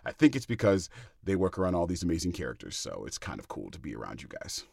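A man with a low voice talks in casual podcast chat. His pitch swings widely, and he laughs loudly and often. The sound is dry and close. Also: sing-song, fast talker, creaky, breathy edge, dry recording. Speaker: podcast co-host.

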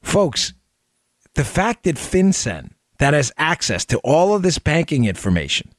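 A man's voice: fairly high pitch, sing-song, a little slow, no room sound, clean studio sound. A man hosting a political talk show, giving opinionated commentary with rhetorical questions, repeated phrases and direct address to listeners.

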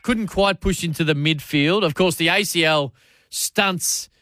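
Casting: Australian male talkback host, bright forceful higher voice, chatty and matey, dry studio sound. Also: a little slow, dry recording. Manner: matey, chatty, repeats phrase starts. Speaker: sports radio talkback host. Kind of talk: casual talkback commentary. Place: radio studio.

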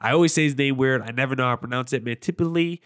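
A man's voice: medium pitch, fast talker, a bit bright. A young man with a nasal, congested voice from allergies, hosting a sports podcast in a chatty, opinionated, rambling way. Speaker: podcast host. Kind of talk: casual sports podcast commentary.

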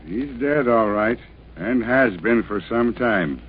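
A gruff American police sergeant, the laconic sidekick in a 1950s radio drama. His mid-pitched voice is blunt and plain-spoken on a muffled old recording. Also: animated, slow, slight background noise. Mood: wry, blunt.

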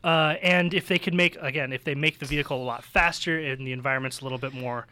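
A man's voice: medium pitch, steady tone, fast, bright, forceful tone. A man co-hosting a casual podcast about video games, conversational and thinking aloud as he goes. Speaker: podcast co-host.

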